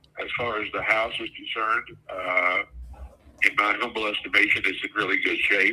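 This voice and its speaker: A man talks at a moderate speed. Background noise can clearly be heard. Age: 70s. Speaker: home seller on a sales call. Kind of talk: phone call conversation. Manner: halting, many fillers.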